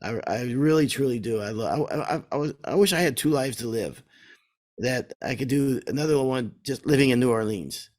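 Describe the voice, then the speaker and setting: A man co-hosting a casual podcast, hoarse from days of talking, rambling and restarting his sentences. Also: mid-range voice, moderate pace, a little mellow. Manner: rambling, self-interrupting. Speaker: co-host.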